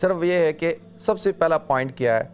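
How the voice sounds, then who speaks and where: A middle-aged man from South Asia giving an informal religious lecture in a loud, emphatic preacher's voice, repeating phrases for emphasis. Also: a little high. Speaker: religious scholar giving a talk.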